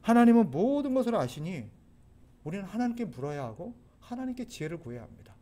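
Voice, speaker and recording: A man's voice: sits high, sing-song, fast talker, dark tone. A man preaching a sermon as pastor, earnest and exhorting, at times pleading with urgency. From South Korea.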